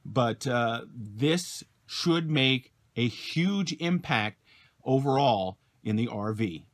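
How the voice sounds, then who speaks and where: A man's voice: mid-range voice, slow. A man in his forties talking casually to the camera inside a parked motorhome, with lots of "uh" fillers, recorded on a close camera mic. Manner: relaxed, many "uh" fillers, upbeat sign-off. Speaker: vlogger. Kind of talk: casual vlog talk to camera. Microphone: camera mic at close range.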